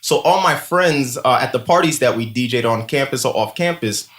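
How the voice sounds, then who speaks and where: A man's voice: mid-range voice, normal speed. A man in his thirties with a Haitian accent, a guest telling stories in casual interview chat, laughing often and using lots of "like" fillers. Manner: animated storyteller, laughs often, many "like" fillers. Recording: echoey room.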